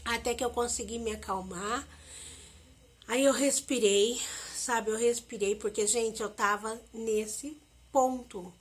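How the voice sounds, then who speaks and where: High-voiced emotional woman. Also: steady tone, takes it slowly, husky. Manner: emotional, repetitive, talks straight to viewers. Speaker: vlogger. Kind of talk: confessional vlog monologue.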